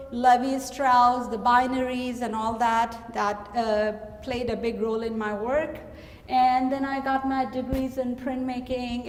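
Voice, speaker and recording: A middle-aged woman from Pakistan with a Pakistani accent, an artist giving a reflective, halting gallery talk about her work. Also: fairly high pitch. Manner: reflective, halting with frequent fillers. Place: gallery hall. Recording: echoey gallery hall.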